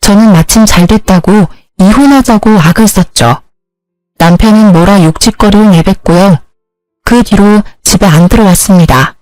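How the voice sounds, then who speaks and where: A woman telling a first-person family drama story in steady scripted narration. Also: medium pitch, normal speed, no room sound, faint music behind, low-quality recording.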